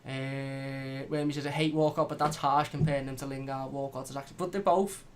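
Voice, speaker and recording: A man hosting a fan channel, chatting casually and reading out live comments, blunt and animated. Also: medium pitch, brisk, a little hiss or hum. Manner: animated, blunt, swears lightly.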